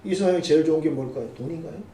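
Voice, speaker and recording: Middle-aged man, pastor, mellow sermon voice, off-mic and echoey in the sanctuary. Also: fairly high pitch, racing, a little hiss or hum. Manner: conversational, teasing asides to the congregation. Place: church sanctuary. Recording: roomy church sound from a distant mic.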